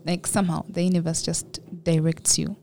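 Soft-spoken Ugandan woman, low and mellow. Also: level tone, a little fast, creaky. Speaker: guest, makeup entrepreneur. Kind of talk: casual podcast interview.

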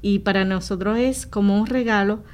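A woman's voice: mid-range voice, fairly even intonation, moderate pace, darkish tone. A woman from Rico, talking earnestly and explaining things as a missionary guest in an interview. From Puerto Rico. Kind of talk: conversational interview testimony.

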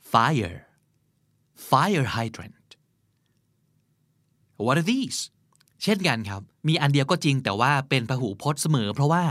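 A man hosting a vocabulary lesson podcast, asking quiz questions in a chatty way and repeating each English word slowly and clearly. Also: medium pitch, fairly bright tone, no echo, studio quality. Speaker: host.

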